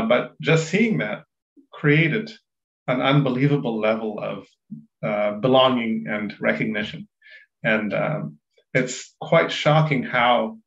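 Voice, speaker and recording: A man from Ethiopia whose first language is Amharic, moderating an online panel in a measured way with many fillers. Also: fairly low pitch, creaky, a bit bright. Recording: dull, echoey room sound.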